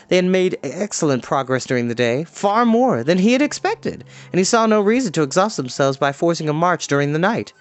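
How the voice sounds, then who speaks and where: A man's voice: on the high side, no echo. A man reading a story aloud expressively, with informal, chatty asides to listeners. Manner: informal, explains words to listeners.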